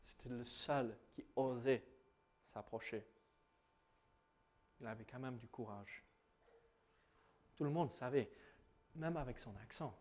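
A man's voice: medium pitch, takes it slowly, pauses often, darkish tone, a little hiss or hum. A man with an American accent, preaching a conversational sermon with many hesitations and self-corrections. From United States.

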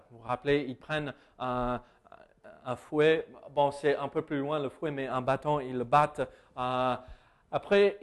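A man with an American accent, preaching a conversational sermon with many hesitations and self-corrections. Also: on the high side. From United States.

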